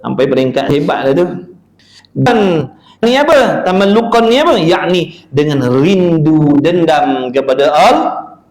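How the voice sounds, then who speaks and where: A man's voice: a little high, animated, unhurried, a little mellow. A man giving a dawn religious lecture in a neighbourhood prayer hall, talking in a colloquial, chatty way and asking rhetorical questions. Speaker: religious teacher.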